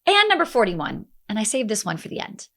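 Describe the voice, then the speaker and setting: A woman in her forties giving an energetic motivational talk to camera as a business coach, emphatic, with quick restarts. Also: medium pitch, vocal fry. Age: 40s.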